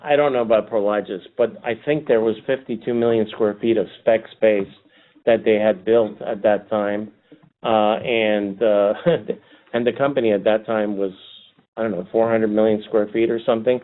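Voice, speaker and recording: A man with a fairly low voice answers as an executive on a conference call. He speaks off the cuff, pausing and restarting as he goes. The sound is a thin, tinny phone connection. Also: fairly even intonation. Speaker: company executive answering analysts. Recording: narrow tinny phone line.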